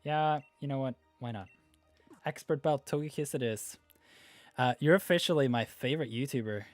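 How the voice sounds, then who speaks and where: A Norwegian man with a Norwegian accent hosts a gaming livestream, chatting in a laid-back, rambling way as he reads viewer comments. His voice is medium-pitched at normal speed, with no echo and soft background music.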